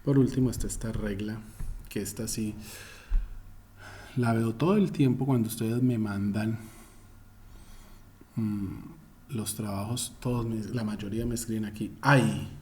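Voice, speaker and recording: A man's voice: lowish voice, steady tone, a little slow, pauses often, mellow. A man teaching a Spanish class, explaining spelling rules emphatically and spelling words out letter by letter.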